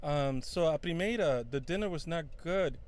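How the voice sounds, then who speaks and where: Teaching English in Portuguese, a man whose first language is English moves back and forth between the two languages, hesitating and using fillers. His voice is fairly high and a little mellow, with lively intonation.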